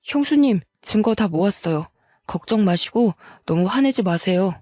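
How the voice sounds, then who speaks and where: A woman voicing a calm, loyal young brother-in-law in a story narration. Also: medium pitch, moderate pace, no room sound, faint music behind, close to an everyday voice. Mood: reassuring.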